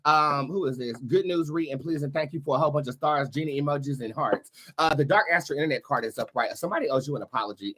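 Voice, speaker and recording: A man's voice: mid-range voice, pushed and bright. A man hosting a casual live tarot reading, chatting to viewers in a sassy, slangy, sweary way. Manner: sassy, slangy, profanity-laced. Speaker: tarot reader and livestream host.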